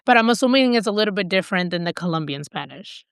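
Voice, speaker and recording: A woman's voice: medium pitch, expressive, quick pace, smooth, no echo, clean studio sound. A woman hosting a podcast interview, affirming her guest and asking questions with many "you know" fillers. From United States. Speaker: podcast host. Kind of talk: casual interview conversation.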